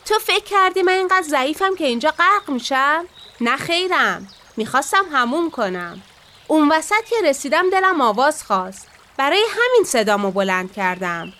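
A woman's voice: high-pitched, sing-song, pushed and bright, exaggerated voice. A woman voicing a proud, ungrateful male donkey in a children's storybook, scolding and self-important. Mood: indignant.

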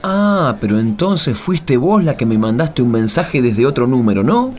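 A man acts a concerned friend from the neighbourhood in a radio play. He is talkative, with a medium-pitched voice and an Argentine accent. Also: big pitch swings, a little slow, a little mellow. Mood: curious, concerned. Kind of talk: radio drama acting.

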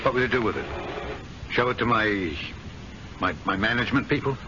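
A man's voice: medium pitch, fairly quick, pushed and bright, slight background noise, close to an everyday voice. A man playing a flustered, pleading debtor. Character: anxious, weak-willed male trust officer in debt. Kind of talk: 1970s radio drama acting. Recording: lo-fi vintage radio with faint music.

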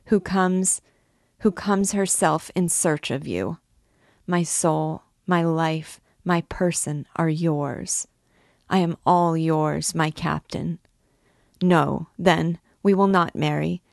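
A woman's voice: on the low side, gravelly, darkish tone, dry recording, studio quality. A woman voicing an impassioned, self-abasing young gypsy dancing girl with imploring, melodramatic devotion in an audiobook. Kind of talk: dramatised audiobook reading of a classic novel.

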